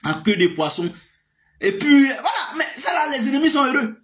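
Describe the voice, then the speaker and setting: A man's voice: very high-pitched, very animated, moderate pace, a bit bright. A man, giving a casual political monologue with many fillers and emphatic outbursts. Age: 30s. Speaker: political commentator.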